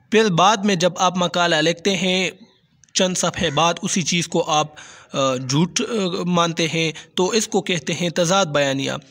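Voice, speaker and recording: A man with a Pakistani Urdu accent explaining points in a measured lecture, often pausing on hesitant fillers. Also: high voice, a bit bright. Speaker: teacher.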